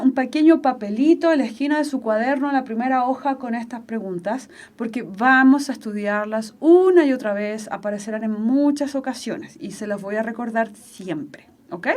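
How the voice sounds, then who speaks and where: A woman teacher with a Chilean Spanish accent giving an online English class, slow and patient, repeating each word for the students. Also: a little high, a little mellow.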